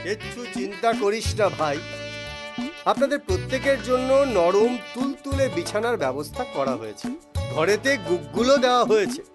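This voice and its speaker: A man's voice: high-pitched, expressive, normal speed, music in the background. A man voicing a witty, sly village jester in a Bengali cartoon, polite and coaxing with a mock-innocent air. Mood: sly, courteous.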